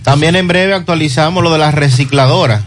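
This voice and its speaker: A Dominican man co-hosts a live radio programme. His pitch is a little high for a man. Music plays softly behind him as he presents. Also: a little fast. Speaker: radio co-host and news presenter.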